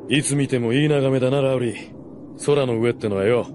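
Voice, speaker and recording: A man playing a cynical, rough-spoken mercenary warrior in a radio drama, blunt and casual. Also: mid-range voice, a little fast, background noise, natural voice. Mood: wistful. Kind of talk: Japanese radio drama acting.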